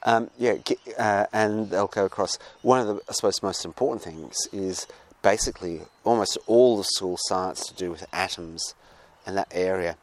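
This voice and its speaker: A man with an Australian accent giving a casual, reflective monologue outdoors, halting and digressive, often restarting his phrases. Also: low voice. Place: outdoors with birds nearby.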